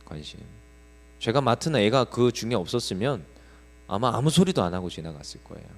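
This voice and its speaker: A man's voice: medium pitch, very animated, a little fast. A man preaching a sermon to a congregation in a church, talking conversationally with rhetorical questions and light humorous stories. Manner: humorous storytelling asides. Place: church sanctuary. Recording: long reverb of a large hall.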